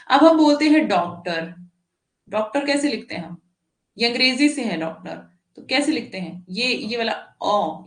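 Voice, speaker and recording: A woman's voice: fairly high pitch, roomy sound. A woman teaching an online exam-prep lesson, explaining patiently and checking often that her students follow. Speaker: Hindi teacher.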